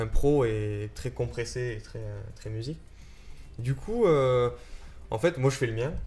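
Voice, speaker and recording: A man speaks at a fairly slow pace with a slight southern French accent. He leaves long, frequent pauses, and his volume rises and falls sharply. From southern France, Cahors. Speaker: electronic music producer and sound engineer. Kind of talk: radio interview. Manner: hesitant, many fillers.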